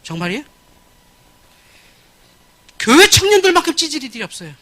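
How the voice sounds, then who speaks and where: A man in his fifties, a pastor giving a church lecture in a blunt, animated way, often acting out other people's voices. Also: very high-pitched, fairly quick. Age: 50s.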